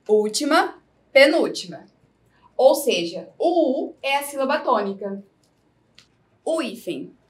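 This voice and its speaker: A Brazilian woman teaching a scripted lesson, speaking slowly and clearly in an instructive way. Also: sits high, sing-song. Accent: Brazilian Portuguese. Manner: slow, clear, instructive delivery.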